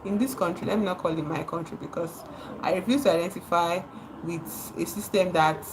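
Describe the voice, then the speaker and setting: A woman's voice: lowish voice, fairly even intonation, fairly quick, background noise. Impassioned Nigerian woman livestreaming. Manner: impassioned, repeats words for emphasis, greets chat viewers. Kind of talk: live stream commentary.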